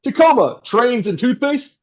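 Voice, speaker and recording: An actor playing a polished, wry and nervous live radio host in an audio play, with a theatrical announcer delivery. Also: male voice, extremely high pitch, big pitch swings, measured pace, dull audio, full character voice. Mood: wry, showy. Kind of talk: old-time radio play acting.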